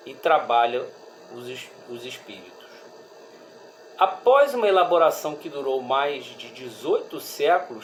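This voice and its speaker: Brazilian man giving a religious talk, noisy background. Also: on the high side. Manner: reflective, halting, with frequent rhetorical check-ins. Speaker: speaker at a Spiritist study group. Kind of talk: religious study talk, reading and commentary.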